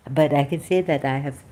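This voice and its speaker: A woman giving an unscripted personal monologue to camera, halting often and searching aloud for the right words. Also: low-pitched, warm tone, a little hiss or hum. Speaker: vlogger.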